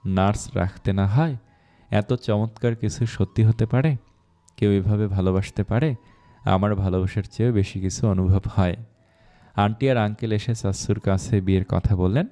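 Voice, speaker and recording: A man's voice: fairly low pitch, normal speed, warm tone. A man narrating a first-person love story in a scripted, emotional storytelling manner.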